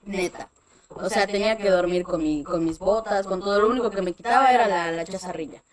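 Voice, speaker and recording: A young Mexican woman with a Mexican accent, telling personal stories in a casual chat, full of fillers and animated asides. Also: medium pitch, brisk, crowd noise. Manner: chatty, animated, many fillers like "este". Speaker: guest.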